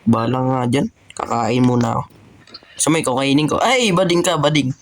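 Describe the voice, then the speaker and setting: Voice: mid-range voice, normal speed, a little hiss or hum. A young speaker jokingly narrating a game role-play in casual chat, teasing a friend throughout. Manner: joking, teasing banter, calling others "boy". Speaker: gamer doing role-play commentary.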